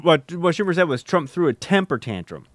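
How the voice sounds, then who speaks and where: A man's voice: a little high, big pitch swings, fairly quick, dry recording. A man co-hosting a podcast, telling stories in casual chat with many fillers and restarts. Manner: storytelling with many fillers and restarts, laughs along. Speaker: podcast co-host.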